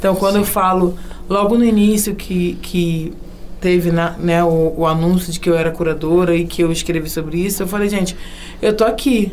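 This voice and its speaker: Audible room echo and noticeable background noise surround a woman with a fairly low pitch. She talks at a moderate pace with fairly even intonation. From Rio de Janeiro, Penha (Brazil). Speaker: theatre curator. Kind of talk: casual interview.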